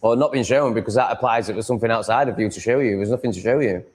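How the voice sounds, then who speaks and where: A man's voice: mid-range voice, very fast, darkish tone. A man with a Yorkshire accent chatting casually as a livestream host, rambling in a blunt, crude, sweary way. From Yorkshire, England.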